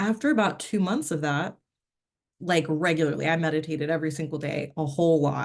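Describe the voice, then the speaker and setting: A woman with a plain, everyday voice talks at a fairly quick pace and a fairly low pitch. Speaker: spiritual podcast host. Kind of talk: casual solo podcast monologue.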